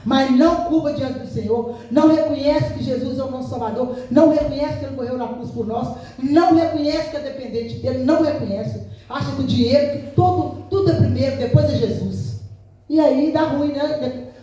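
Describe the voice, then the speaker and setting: High-voiced Brazilian woman preaching in an echoey church. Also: moderate pace, dark tone, far from the mic, muffled recording. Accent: Brazilian Portuguese. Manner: repetitive, earnest, keeps asking for agreement. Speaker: missionary preacher. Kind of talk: emotional conversational sermon. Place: church sanctuary.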